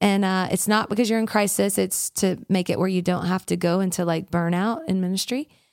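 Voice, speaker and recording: Recorded very cleanly against a silent background, a woman with an American accent speaks in an ordinary speaking voice at a medium pitch. Her intonation is fairly even and her pace fairly quick. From US South, Memphis, Tennessee. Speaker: worship pastor. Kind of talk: casual chat. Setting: live recording at summer camp.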